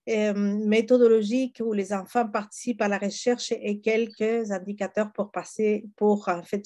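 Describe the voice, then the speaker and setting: A woman with a mellow, warm voice formally introduces a guest speaker. She speaks fluently but with frequent fillers, over an online call. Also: medium pitch. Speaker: moderator.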